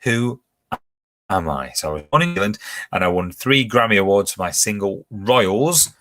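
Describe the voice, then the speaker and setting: A man's voice: lowish voice, expressive, normal speed, pushed and bright. A man hosting a pub quiz from home, chatting casually as he reads out questions, answer options and team scores. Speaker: quiz host.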